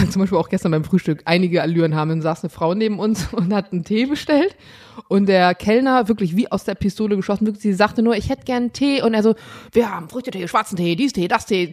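A woman's voice: medium pitch, darkish tone. A woman co-hosting a podcast, telling an anecdote in a casual chat and acting out the dialogue in raised voices with frequent laughter, recorded in a hotel room. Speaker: podcast co-host.

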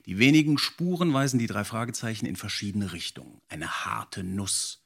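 A man's voice: fairly low pitch, lively intonation, moderate pace, vocal fry, husky. A man hosting a casual podcast conversation in a home study. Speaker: podcast host.

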